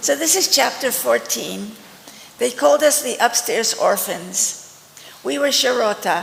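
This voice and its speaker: Speech comes at a fairly slow pace with long, frequent pauses. Noticeable background noise is present. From Poland, then New Jersey from age 11. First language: Polish. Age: 80s+. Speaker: Holocaust survivor speaker. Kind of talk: reading aloud from own memoir; testimony.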